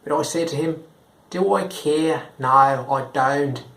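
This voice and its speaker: A man's voice: a little high, takes it slowly, a bit bright. A young man imitating a carefree man with an Australian accent who tells a tall tale in a laid-back way. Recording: echoey room.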